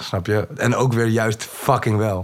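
This man has an unremarkable speaking voice, fairly low in pitch, moving at a fairly slow pace with fairly even intonation. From Netherlands. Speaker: performer. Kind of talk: casual chat.

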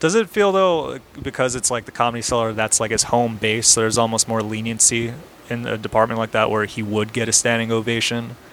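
With an American accent, a man speaks in a plain, everyday voice at a medium pitch and with ordinary pitch variation. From New York, the Bronx. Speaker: podcast co-host. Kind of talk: casual chat. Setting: home attic recording.

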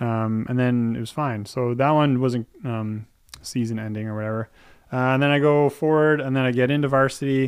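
A man's medium-pitched, normal speaking voice at a moderate pace, with fairly even intonation against a quiet background. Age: 30s. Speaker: volleyball podcast co-host. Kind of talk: casual chat.

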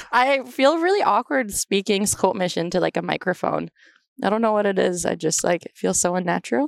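A woman with a western Canadian accent speaks at a medium pitch and a fairly quick pace, using lively intonation and vocal fry at a very even loudness. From Squamish, British Columbia, Canada. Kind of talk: casual chat. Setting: outdoors.

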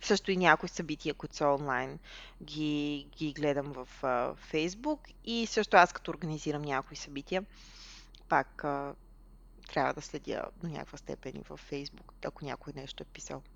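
At a fairly slow pace, a woman speaks with a very deep, low pitch, ordinary pitch variation, vocal fry and big swings in loudness. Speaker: podcast co-host. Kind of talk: casual chat.

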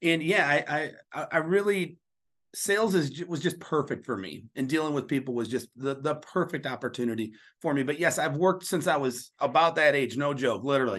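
Against a quiet background, a man with an American accent speaks fairly quickly in an ordinary speaking voice, fairly high for a man, with ordinary pitch variation. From US Midwest (Iowa). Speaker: author and sales professional. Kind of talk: interview.

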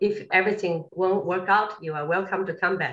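A woman with an ordinary speaking voice talks at a moderate pace. Her pitch is fairly low and her intonation fairly even. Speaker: TV station founder, former radio host. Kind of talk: interview answers.

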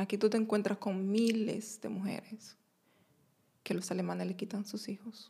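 A woman speaks at a moderate pace in a medium pitch, her somewhat breathy voice dark and mellow in tone, with monotone, flat intonation. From Dominican Republic, Santiago Rodríguez province near Haiti border. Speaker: interview guest, immigrant. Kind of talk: interview, personal life story.

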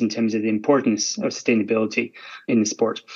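A man with a Scottish accent speaks at a fairly quick pace. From Scotland. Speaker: sustainability consultant. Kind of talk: casual interview.

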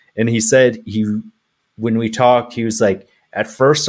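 In a very clean recording with a silent background, a man with medium pitch uses a normal speaking voice at a moderate pace. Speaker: podcast co-host. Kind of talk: casual chat.

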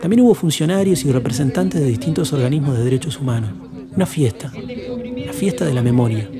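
A man's voice swings very widely in pitch, with audible room echo. Crowd noise carries in the background. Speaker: podcast host and narrator. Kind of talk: scripted narration.

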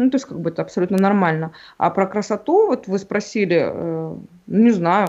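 A woman speaks at a medium pitch with vocal fry and ordinary pitch variation. Her pace is moderate, and the background is quiet. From Kazakhstan, Karaganda. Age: 30s. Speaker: writer and journalist. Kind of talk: casual chat.

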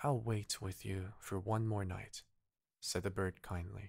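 Somewhat breathy and soothing, a man speaks at a fairly low pitch and fairly slow pace with ordinary pitch variation on a very clean recording with a silent background. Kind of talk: bedtime story reading aloud. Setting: ASMR. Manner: soft, slow, soothing.

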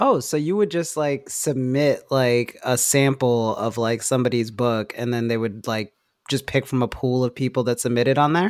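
A man with an ordinary speaking voice talks at medium pitch and a moderate pace, with ordinary pitch variation and hardly any pauses. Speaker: podcast co-host. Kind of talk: casual chat.

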